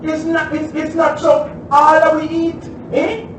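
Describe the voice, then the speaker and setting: A streetwise young Jamaican man, played by an actor, raised in pitch and blunt, pleading in his patois. He sounds far off in a very echoey space with a faint hiss behind him, as on a stage recording. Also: monotone, unhurried. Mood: stung. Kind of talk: stage play excerpt.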